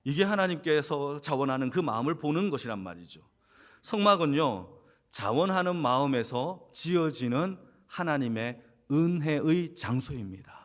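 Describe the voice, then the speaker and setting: A man's voice: fairly high pitch, expressive, normal speed. A man preaching a sermon as senior pastor in a church, who asks the congregation questions and then answers them himself. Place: church sanctuary.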